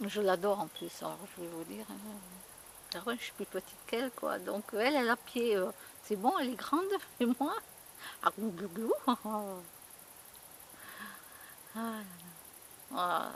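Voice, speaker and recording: A woman's voice: medium pitch, normal speed, vocal fry, long pauses, a little hiss or hum. A woman vlogging in a casual, rambling chat, full of fillers and repeated words. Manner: chatty, rambling storytelling with many fillers and repeats.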